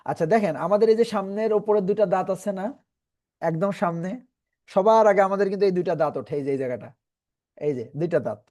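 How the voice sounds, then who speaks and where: A man teaching Quran reading in an online class, patiently explaining and slowly repeating letter sounds for his students. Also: high voice, dark tone.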